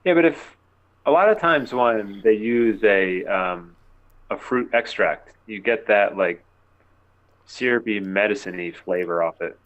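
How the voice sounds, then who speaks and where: The audio is dull and low in fidelity. A man with a fairly low voice chats casually as a stream co-host. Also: animated, measured pace, fairly bright tone. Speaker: co-host of a beer review stream. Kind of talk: casual chat.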